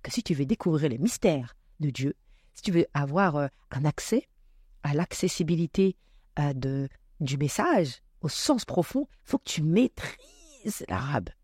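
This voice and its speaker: A woman speaking as a podcast guest, reflecting on spiritual matters with many pauses and fillers. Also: low-pitched, big pitch swings, darkish tone, husky, no echo, studio quality.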